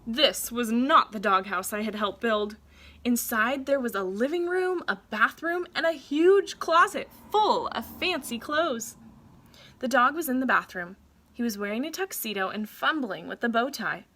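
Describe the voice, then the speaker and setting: A woman reading a children's story aloud like a teacher, with deliberate, dramatic phrasing for young listeners. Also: fairly high pitch, lively intonation, bright, forceful tone, a little hiss or hum.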